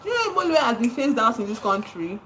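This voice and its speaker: A woman's voice: a little high, big pitch swings, moderate pace, a bit bright, slight background noise. Impassioned Nigerian woman livestreaming. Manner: impassioned, repeats words for emphasis, greets chat viewers. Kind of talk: live stream commentary.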